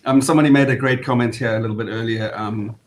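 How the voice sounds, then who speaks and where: A man giving casual post-match analysis as a fan, speaking in a hesitant, measured way. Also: fairly even intonation, a little mellow. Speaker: football fan panellist. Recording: faint rumbling background noise.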